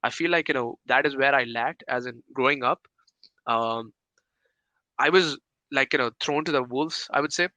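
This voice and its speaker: A man's voice: medium pitch, normal speed, bright, forceful tone, dry recording. A young man from India with an Indian English accent, chatting casually on a podcast, hesitant with many fillers and restarts. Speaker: podcast co-host.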